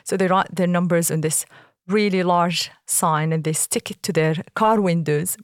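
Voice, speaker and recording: A fairly low-pitched woman from Saudi Arabia co-hosts a casual podcast conversation, telling her stories animatedly and laughing often. Her voice is close and dry, with no room around it. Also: steady tone, normal speed, clear, resonant tone, no room sound. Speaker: podcast co-host.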